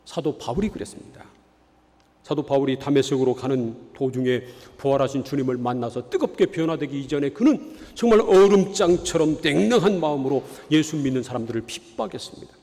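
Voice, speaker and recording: Delivering a sermon in a church sanctuary, a Chungcheong-born South Korean pastor speaks earnestly and poses rhetorical questions to his congregation. His voice sits high and is a little mellow, carried on the long reverb of a church hall.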